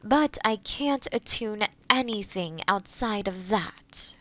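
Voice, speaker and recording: A woman playing a kind forest witch in a roleplay audio drama, explaining things gently and thoughtfully to the listener. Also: medium pitch, takes it slowly, no room sound. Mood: careful explaining.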